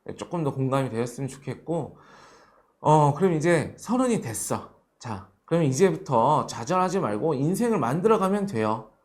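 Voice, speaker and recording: A man in his thirties talks through a lecture for young adults with an earnest, insistent manner, repeating key points and dropping short affirming fillers. His voice sits a little high for a man and moves a lot in pitch. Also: very animated, moderate pace, a little mellow. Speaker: host of an economics show.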